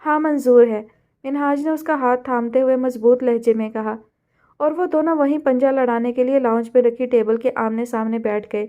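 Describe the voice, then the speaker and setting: A woman's voice: on the high side, fairly even intonation, moderate pace, narrow, tinny audio. A woman hosting an audiobook novel reading, who greets her listeners in polite, formal words before she reads. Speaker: novel reader, channel host.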